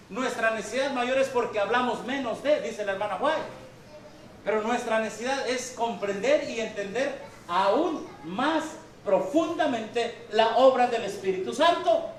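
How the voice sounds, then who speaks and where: A man's voice: extremely high pitch, slight background noise. A man preaching a sermon and reading from the Bible, quizzing the congregation with questions as he goes. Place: church hall. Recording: very echoey hall, from far off.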